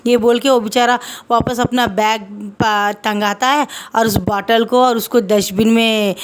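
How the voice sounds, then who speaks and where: A woman telling a story in an easy, conversational manner, her voice sitting a little high. She keeps it chatty and animated and moves briskly from one scene to the next. It sounds like a relaxed home retelling, not a polished reading. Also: background noise. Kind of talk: casual storytelling narration.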